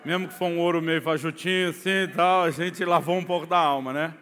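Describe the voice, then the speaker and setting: A middle-aged man with a Brazilian accent, a pastor telling a humorous story in a sermon, swinging from quiet asides to near-shouting. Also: a little high, fairly even intonation, a little fast. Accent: Brazilian Portuguese. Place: church. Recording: echoey church hall.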